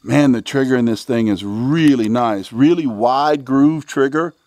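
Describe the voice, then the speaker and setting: With a medium-pitched, darkish voice and measured pace, a middle-aged American man hosts a shooting video outdoors at a covered range. He comments casually to viewers in a folksy, exclamatory way for his channel. A little hiss or hum runs under the recording.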